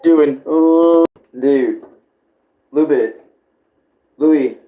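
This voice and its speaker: A man's voice: a little high, very slow, mellow, rough recording. A man giving casual, rambling reaction commentary full of slang and swearing, like a host talking to friends. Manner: rambling, informal, often addressing others as bro or dude.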